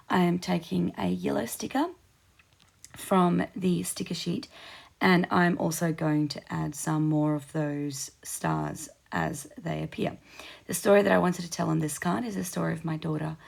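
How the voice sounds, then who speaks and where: Casting: Australian woman, informal craft host, lowish voice, hoarse and husky as if it is giving out. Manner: chatty, informal. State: hoarse, losing her voice. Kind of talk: casual process voice-over.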